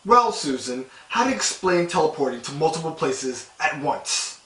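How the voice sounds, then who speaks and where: A man's voice: on the high side, sing-song, normal speed, a bit bright, slight background noise. A man playing a polished, reasonable, unbothered TV anchor in a news broadcast parody.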